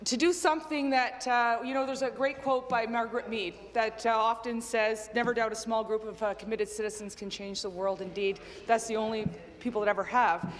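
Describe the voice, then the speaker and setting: A woman's voice: on the high side, fairly even intonation, fairly quick, big-room sound, a little hiss or hum. A woman from Nova Scotia giving an earnest, formal speech as a legislator in a legislative chamber. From Nova Scotia, Canada. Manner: earnest, with frequent fillers when speaking off the cuff.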